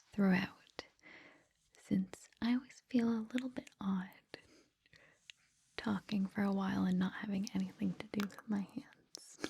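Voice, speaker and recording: Slow, breathy whispering ASMR woman. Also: mid-range voice. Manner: gentle, reassuring, informal. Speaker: ASMR host introducing a meditation series.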